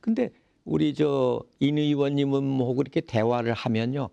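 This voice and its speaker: A man's voice: mid-range voice, moderate pace, gravelly, mellow, clean tone, no room sound, dull audio. A man hosting a casual interview, explaining things at a leisurely pace with many fillers. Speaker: interview host.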